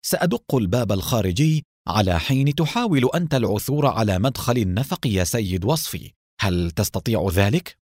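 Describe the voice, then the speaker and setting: A man voicing a calm, quiet male police captain in a storybook reading. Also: lowish voice, no room sound, clean studio sound. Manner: quiet and measured.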